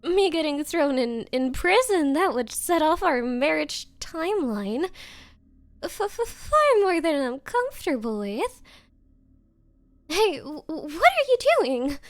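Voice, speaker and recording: Woman acting a high-voiced, clingy yandere girlfriend. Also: very animated, slow, no room sound, full character voice. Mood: flustered, nervous, then panicked, pleading. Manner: nervous giggling, stammering, pleading. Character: obsessive, clingy yandere woman on a first date. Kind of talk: ASMR audio roleplay.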